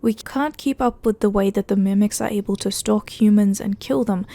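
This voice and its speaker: A woman's voice: medium pitch, normal speed, mellow, no room sound. A woman narrating a casual recap and commentary as a video essay host, conversational with wry, sardonic asides.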